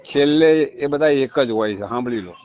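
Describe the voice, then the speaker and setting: A man's voice: mid-range voice, normal speed, slight background noise. A man, a caller on a phone call, talking insistently and repeating his points with emphasis. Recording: tinny phone call recording.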